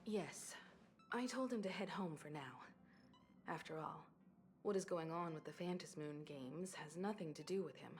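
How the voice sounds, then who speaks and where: An actress playing a composed, responsible woman leading a starship crew in a video game, speaking in a measured, polite way. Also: sits low. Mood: apologetic, composed. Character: composed, responsible adult woman crew leader on space train.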